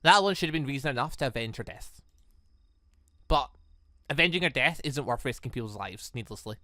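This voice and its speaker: A man voicing a subdued, apologetic young female hunter from a visual novel in a quiet, halting delivery. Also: mid-range voice, animated, no room sound, clean studio sound, voice pushed down.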